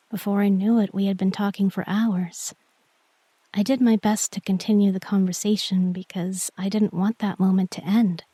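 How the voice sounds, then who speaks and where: Shy, tender young girlfriend woman acting, soft breathy near-whisper, dry close sound, gentle romantic ASMR audio drama. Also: mid-range voice, no room sound, natural voice. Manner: gentle, hesitant, intimate address to one listener. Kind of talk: romantic sleep-aid audio roleplay, intimate ASMR.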